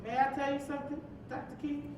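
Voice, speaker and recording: A woman plays an eager young waitress who rushes out flustered apologies. She sounds far from the mic in a very echoey hall, with noticeable noise behind her. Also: sits high, flat delivery, a little mellow, natural voice. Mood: shy.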